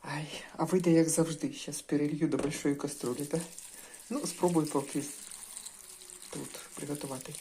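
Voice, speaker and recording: A woman narrating a casual cooking vlog from her home kitchen, thinking aloud step by step at an unhurried pace. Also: low-pitched, fairly even intonation, dark tone. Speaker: home cook, channel host. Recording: kitchen cooking noise behind voice. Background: sizzling frying pan.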